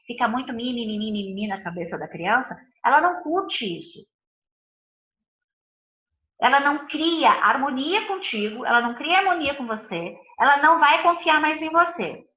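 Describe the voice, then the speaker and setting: A woman's voice: sits high, animated, normal speed, reverberant, lo-fi sound. A woman with a Brazilian Portuguese accent, a body and behavior analyst giving a live talk to viewers, speaking emphatically in repeated lists of phrases.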